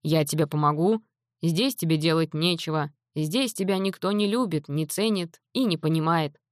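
A woman's voice: low-pitched, normal speed, dry recording, studio quality, natural voice. A woman voicing a kindly bronze statue.

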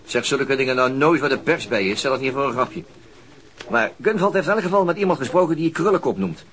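A man's voice: medium pitch, animated, a little fast, fairly bright tone, close to an everyday voice. An actor playing a weary, wry police inspector and father in a radio drama, dry and mildly grumbling. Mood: businesslike. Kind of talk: naturalistic Dutch radio drama acting.

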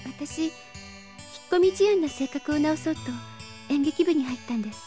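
Very high, shy, sweet schoolgirl played by a woman. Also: moderate pace, dark tone, faint music behind, natural voice. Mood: shy, earnest. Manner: polite, hesitant. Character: shy, earnest teenage drama club girl, politely sweet. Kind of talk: anime-style audio drama acting.

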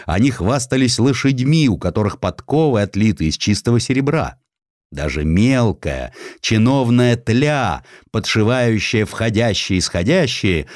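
Low-voiced man narrating with lively swings. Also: no echo, studio quality. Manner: theatrical, ironic storytelling. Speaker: audiobook narrator. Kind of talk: expressive narration of a satirical historical story.

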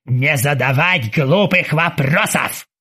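A man's voice: fairly high pitch, slow, breathy edge, full character voice. A man doing a furious, barking yacht captain. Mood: gruff irritated. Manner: barking, exasperated shouting. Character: irritable middle-aged male yacht captain, secretly a doctor.

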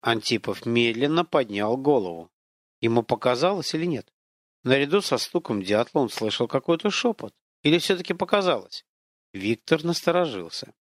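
A man narrating an audiobook in an expressive, dramatic storytelling manner. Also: mid-range voice, moderate pace, no echo, clean studio sound.

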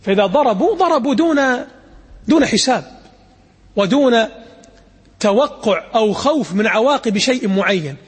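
A man teaching a religious lesson, retelling the story with animated dialect asides. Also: high voice, moderate pace, pauses often, slightly rough. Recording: echoey hall with long reverb.

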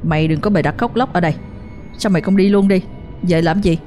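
A harsh, bullying older brother, as a woman tells it fires off rapid, contemptuous scolding in a low, even voice. He sounds relentless and domineering, with soft music beneath. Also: close to an everyday voice.

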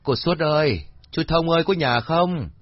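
A man's voice: fairly low pitch, lively intonation, normal speed, breathy edge, no room sound, lo-fi sound. A man voicing a kindly, talkative older village man. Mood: chatty. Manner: chatty and familiar.

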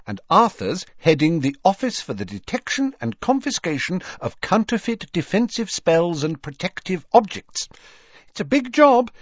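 A man voicing an anxious, fussy middle-aged witch mother who speaks in a stern, high-pitched way. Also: slightly rough, dry recording, exaggerated voice. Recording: dull, dry lo-fi recording.

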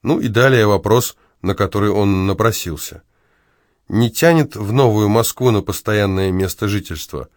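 A man's voice: on the low side, moderate pace, dry recording, clean studio sound. A man reading his own essay aloud in an ironic, argumentative way.

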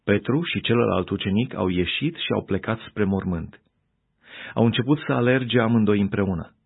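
Low husky man reading scripture. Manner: steady, unhurried reading. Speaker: scripture reader. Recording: tinny phone-like audio.

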